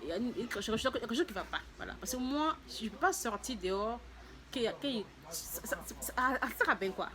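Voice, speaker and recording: Halting, word-repeating woman vlogger. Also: a little high. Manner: halting, repeats words and restarts often; voices other people's lines in a raised, lively tone. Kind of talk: casual personal testimony to viewers.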